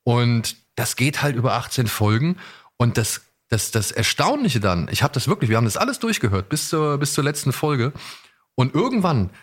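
A man's voice: mid-range voice, sing-song, normal speed. A man hosting a podcast in casual chat, speaking enthusiastically in a rambling way and often correcting himself. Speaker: podcast host. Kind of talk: casual podcast chat about audio dramas.

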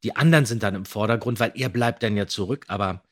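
A man's voice: on the low side, fast. A man in a casual podcast discussion, talking emphatically and often repeating himself.

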